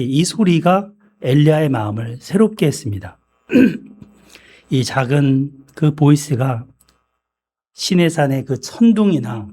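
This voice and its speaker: A man preaching at an unhurried pace, his voice mid-pitched and ordinary for a man. He delivers the sermon in a measured, deliberate way, pausing often and clearing his throat between phrases. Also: warm tone. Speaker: pastor. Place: church.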